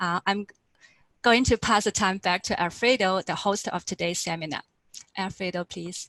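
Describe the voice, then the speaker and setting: A woman speaks at medium pitch in a Chinese accent with a bright, sharp tone and fairly even intonation. The sound is dry and close, with no echo. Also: moderate pace. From China. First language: Mandarin Chinese. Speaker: university academic, associate head of department. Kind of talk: online seminar welcome.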